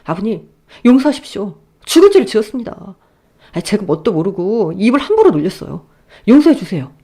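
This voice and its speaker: A woman's voice: mid-range voice, big pitch swings, a little fast, mellow, husky. A woman voicing a grovelling, scheming young husband in a raised, whiny voice while reading a story aloud. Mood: pleading. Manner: whiny and pleading, then defiant. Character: scheming son-in-law, grovelling then brazen.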